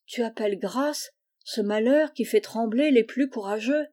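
A woman's voice: a little high, measured pace, mellow, lightly acted. A woman voicing a hot-tempered but tender-hearted orphan boy in a storybook reading, earnest and emotional.

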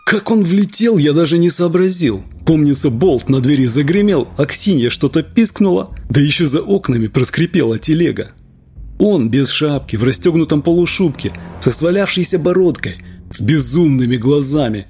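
A man narrating a literary audiobook in a measured, expressive reading. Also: fairly high pitch, husky.

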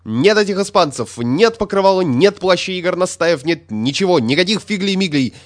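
A man voicing a hysterical, puffed-up little male statistician who shouts and rants indignantly. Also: animated, moderate pace, no echo. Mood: ranting. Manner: shrill, shouting, indignant ranting.

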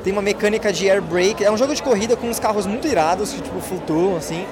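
A young Brazilian man hosting a gaming podcast, talking casually and with excitement, full of slang. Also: high-pitched, quick pace, background noise. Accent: Brazilian Portuguese. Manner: excited, slangy, gushing about games. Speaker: podcast host. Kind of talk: casual gaming podcast talk with on-site recordings.

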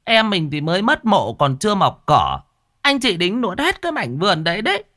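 A man doing a shrill furious village widow. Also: very animated, pushed and bright, heavily acted. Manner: shrill, screeching, rapid scolding.

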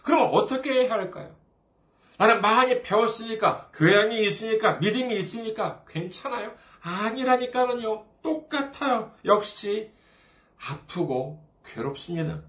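A man's voice: sits high, expressive, moderate pace, fairly bright tone, roomy sound. A man preaching a sermon as a pastor, in a conversational, humorous way, often asking the listeners questions.

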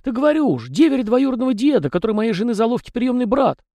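A man's voice: very high voice, very animated, fast, mellow, dry recording, pitched above the performer's own voice. A man voicing a small, talkative male house spirit with rustic, folksy peasant speech. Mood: insistent.

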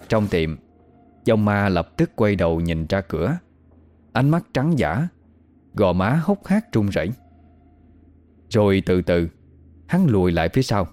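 A man telling a horror story in slow, even, suspenseful narration. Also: deep voice. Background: faint music.

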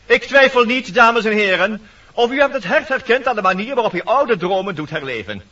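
A man's voice: sits high, lively intonation, brisk, pushed and bright, full character voice. A man voicing a talkative, fussy woodpecker who narrates theatrically in a radio play. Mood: chatty, confiding. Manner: theatrical, addressing audience, fussy. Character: talkative, lively woodpecker, protective leader and narrator. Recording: dull, distant vintage radio recording.

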